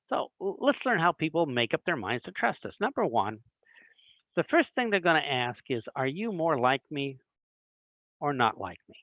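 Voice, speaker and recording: Lively man on a tinny video call. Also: fairly high pitch, dry recording. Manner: animated, acts out little dialogues. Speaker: webinar presenter. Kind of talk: recruiting training talk. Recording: dry tinny phone-like online call audio.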